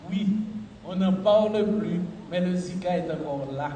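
A middle-aged man gives a formal, measured speech as a health official at a podium mic in a large hall. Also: high-pitched, mellow. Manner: measured, deliberate official delivery. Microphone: podium mic on a stand. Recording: echoey hall, far from the mic, noisy.

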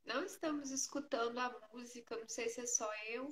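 A woman with a Brazilian Portuguese accent speaking gently and encouragingly to a prayer group over a phone call. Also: on the high side, steady tone, brisk, heavy background noise. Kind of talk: prayer meeting talk. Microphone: phone on an online call.

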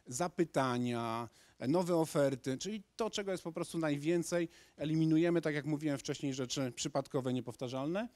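A man in his thirties gives a lively presentation to a lecture hall audience, gesturing as he talks and often restarting his sentences. His voice sits fairly high for a man. The handheld microphone gives a dry, close sound. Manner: energetic, gesturing, with frequent restarts. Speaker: conference speaker.

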